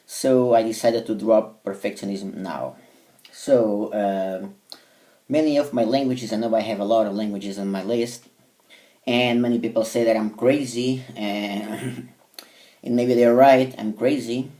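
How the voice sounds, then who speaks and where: Vlogger: Portuguese-accented man, native Portuguese, hesitant and filler-heavy, mellow voice, slightly distant mic. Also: fairly low pitch, fairly even intonation, measured pace. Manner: hesitant, many fillers and restarts. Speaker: language learner vlogger. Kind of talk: casual monologue to camera.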